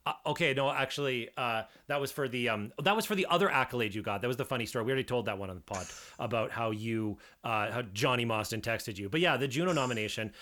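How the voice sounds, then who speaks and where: A man co-hosting a casual podcast in a bright, forward voice at an ordinary pitch. He is enthusiastic, laughs easily and keeps praising his co-host. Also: fast talker, few pauses.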